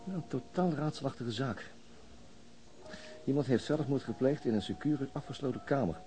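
A man's voice: medium pitch, normal speed, dark tone, slight background noise, natural voice. An actor playing a subdued, hesitant, understated policeman in a Dutch radio crime drama. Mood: hesitant, serious. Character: subdued, hesitant male policeman back from hospital.

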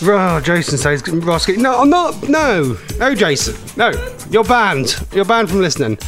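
A man's voice: high-pitched, very animated, measured pace, music in the background. British man hosting a home radio show. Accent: British English. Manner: joking, exasperated, teasing. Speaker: online radio show host. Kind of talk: casual home radio banter. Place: home conservatory.

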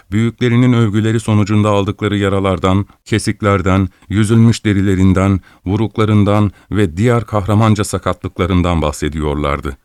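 A man reading a story aloud at a steady, measured pace. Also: on the low side, smooth, no room sound, clean studio sound. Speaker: narrator. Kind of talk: audiobook narration of a story.

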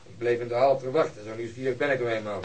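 A cool, pushy investigator played by a male actor in a radio play, heard at some distance from the microphone. He talks fast, casual and mocking, cheeky and sure of himself. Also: medium pitch, fairly even intonation, darkish tone, lightly acted. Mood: insinuating. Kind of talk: Dutch radio drama dialogue.

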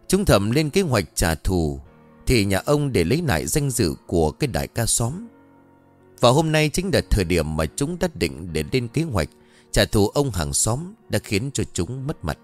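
A man narrating a scripted ghost story in an expressive storytelling manner. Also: mid-range voice. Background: faint background music.

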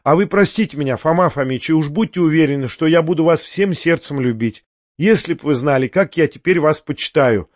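An earnest young girl, as a male reader puts her on, eager and contrite, voice lifted high. The recording is dull and dry. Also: fairly quick, no room sound, close to an everyday voice.

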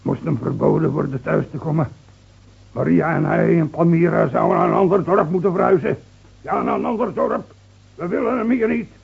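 An actor in a Dutch radio play playing a gruff, uneasy villager who speaks in a curt, suspicious way. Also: male voice, fairly high pitch, moderate pace, heavily acted. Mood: agitated, fearful. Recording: muffled old radio play recording.

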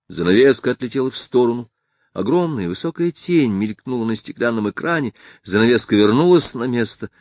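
Low male narrator reading a novel aloud, grave and measured, close dry sound. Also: darkish tone, dry recording. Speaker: audiobook narrator. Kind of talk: first-person literary audiobook reading.

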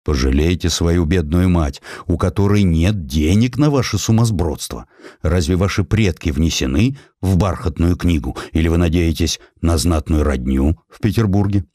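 A man's voice: deep voice, animated, moderate pace, mellow, dry recording, clean studio sound. A man voicing a stern school headmaster in an audiobook, reproachful and questioning. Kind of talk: audiobook character dialogue.

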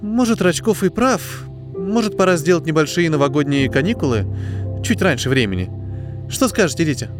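A man voicing a weary, ironic woman schoolteacher in an audiobook, with dry, measured delivery. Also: fairly high pitch, expressive, voice pushed up, close to an everyday voice. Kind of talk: audiobook character voice. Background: background music.

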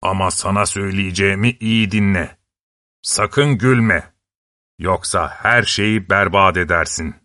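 A wise old frog from a fairy tale speaks low and unhurried, voiced by a man narrating, hushed and grave in tone. The sound is dry and close, with no room around it. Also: no room sound.

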